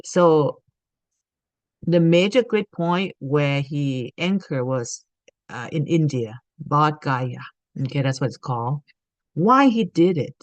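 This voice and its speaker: A woman's voice: sits low, lively intonation, slow, no echo, muffled recording. A woman from Thailand giving an earnest spiritual teaching talk, often checking in with "okay?".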